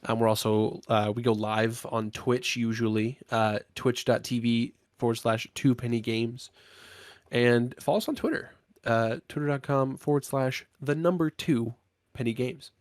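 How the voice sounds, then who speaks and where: A congested man with a plain mid-pitched voice, recorded close and dry with no room sound. He talks loosely and casually, swearing now and then as he rattles through plugs. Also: no echo. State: congested, getting over a cold. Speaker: podcast co-host opening the show. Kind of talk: casual podcast chat. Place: podcast recording, indoors.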